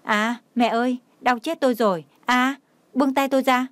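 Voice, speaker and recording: A man's voice: very high voice, moderate pace, dry recording. A woman voicing a playful young man who yelps and pleads when hurt, in a dry recording. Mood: pained pleading.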